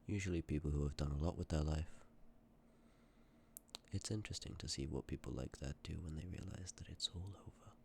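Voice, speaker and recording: A man playing a sympathetic, courteous Death in an ASMR roleplay, speaking with measured, formal politeness and often dropping toward a breathy whisper. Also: rumbling low, warm tone, a little hiss or hum. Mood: gentle, solemn. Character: sympathetic, courteous personification of Death, calm and ancient. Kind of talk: ASMR roleplay, scripted acting addressed to listener.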